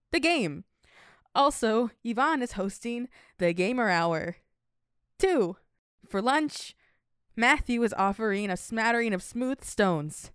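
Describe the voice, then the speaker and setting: A woman's voice: a little high, smooth, no echo, studio quality, natural voice. A woman playing a playful, prying camp announcer who speaks to the children over the speakers with a whimsical patter. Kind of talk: audio drama acting.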